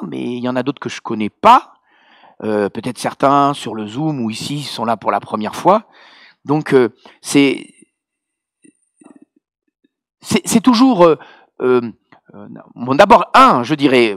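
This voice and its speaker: A man preaching as pastor, telling a personal testimony in an animated, hesitant way full of fillers. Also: mid-range voice, dry recording, clean studio sound. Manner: hesitant, many fillers and restarts, animated storytelling.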